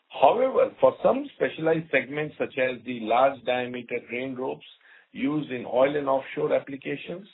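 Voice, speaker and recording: A man with an Indian accent delivers a prepared corporate address in a mid-pitched, somewhat rough voice. The sound is narrow and phone-like, as on a conference call. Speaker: company executive. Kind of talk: scripted corporate presentation. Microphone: conference call line. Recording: muffled phone-like conference line.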